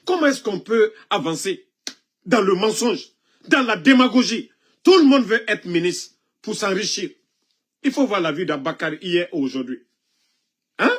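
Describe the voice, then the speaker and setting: A man's voice: sits high, big pitch swings, normal speed, pauses often. A man giving impassioned political commentary, coughing now and then from a cold, scolding and asking pointed rhetorical questions.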